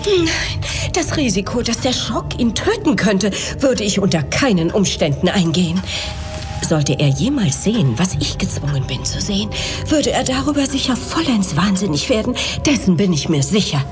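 Haughty, anxious elderly lady, played by an actress, animated pitch. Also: normal speed, over music, close to an everyday voice. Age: older. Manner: formal, genteel, theatrical delivery. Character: haughty, anxious elderly English aristocratic mother, haunted. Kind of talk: German audio drama acting.

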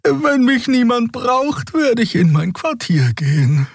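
A man voicing a tired, beaked female alien crew member in an audiobook, speaking slowly and drowsily. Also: very high voice, sing-song, gravelly, slightly rough, no echo, studio quality, pitched above the performer's own voice, exaggerated voice. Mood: sleepy. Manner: slow, drowsy, yawning. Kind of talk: audiobook character voice.

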